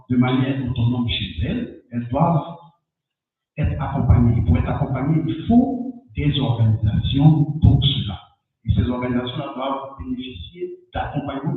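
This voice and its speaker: A man answers as a candidate at a debate, hesitant and circling back over his words. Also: mid-range voice. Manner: hesitant, repeating himself. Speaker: election candidate. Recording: echoey room, far tinny mic.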